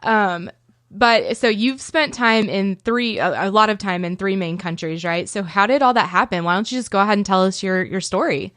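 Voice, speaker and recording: A woman in her thirties hosts a casual interview podcast, asking questions in an upbeat, chatty way. Her voice sits at an ordinary middle pitch. The recording is close and dry, with no room sound. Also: normal speed, a bit bright, no echo. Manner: upbeat, chatty, laughs easily. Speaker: podcast host.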